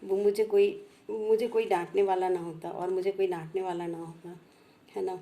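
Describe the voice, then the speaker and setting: A woman speaking slowly and heartfelt as she recalls her past, repeating each phrase twice. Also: on the low side, level tone, mellow. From India. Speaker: vlogger sharing memories. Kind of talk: personal reminiscence.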